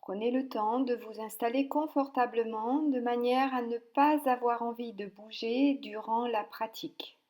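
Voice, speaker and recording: Slow, soothing woman guiding relaxation. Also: on the high side. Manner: calm, soothing, with long pauses. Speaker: yoga nidra relaxation instructor. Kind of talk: guided meditation, softly spoken instructions.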